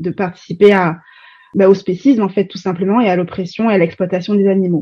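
A woman has a plain, everyday voice at a medium pitch. She talks at a fairly quick pace with fairly even intonation. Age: 20s. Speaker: ethical fashion consultant. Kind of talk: interview.

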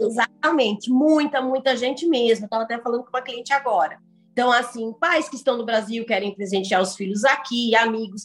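With music in the background, a woman talks at a fairly quick pace in a high pitch. Her pitch variation is ordinary, and her loudness swings a lot. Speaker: small business owner. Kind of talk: interview.

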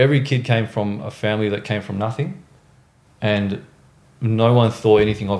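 A man with an Australian accent and a fairly low pitch talks at a fairly quick pace, with ordinary pitch variation and long, frequent pauses. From Australia, Melbourne (Dandenong). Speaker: friend of host. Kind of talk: casual chat.

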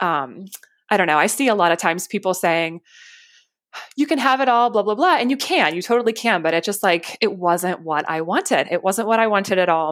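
A woman with a plain, everyday voice speaks fairly quickly at a medium pitch, her intonation lively and her loudness very even. The recording is very clean with a silent background. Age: 30s. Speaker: former speech language pathologist. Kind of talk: casual chat.

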